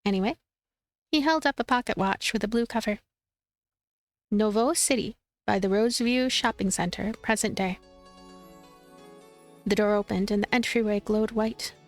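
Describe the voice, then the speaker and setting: A woman's voice: mid-range voice, moderate pace, long pauses, no room sound, soft background music. A woman hosting a let's play, reading and narrating a visual novel.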